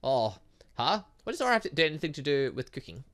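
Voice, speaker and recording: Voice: medium pitch, sing-song, quick pace, a bit bright. A gaming host voicing an earnest, easily flustered young academy student with hesitant delivery in a visual novel. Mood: puzzled.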